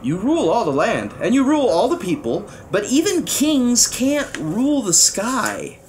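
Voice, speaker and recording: Man as young storybook page boy, anxious, earnest, deferential, high and swooping pitch. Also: huge pitch swings, a little slow, slight background noise, full character voice. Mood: earnest, worried. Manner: pleading, deferential.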